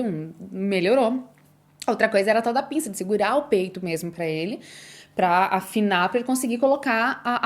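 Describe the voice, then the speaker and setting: A young woman with a Brazilian accent, talking in a casual personal vlog, chatty and emotional, speaking straight to her viewers. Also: mid-range voice. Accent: Brazilian Portuguese. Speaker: vlogger.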